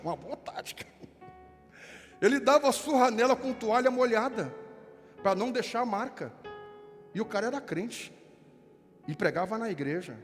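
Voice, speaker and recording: A high-voiced male pastor with a southern Brazilian accent preaches in a chatty, storytelling way, acting out the people in his stories. His voice rings through a church hall with a long reverb. Soft music plays faintly behind him. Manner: conversational storytelling, acts out dialogue. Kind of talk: sermon with anecdotes.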